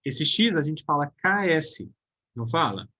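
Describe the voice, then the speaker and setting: A man's voice: on the high side, lively intonation, a little slow, pushed and bright. A Brazilian man with a Brazilian Portuguese accent teaching a recorded grammar lesson in a casual, chatty way, often checking in with his students.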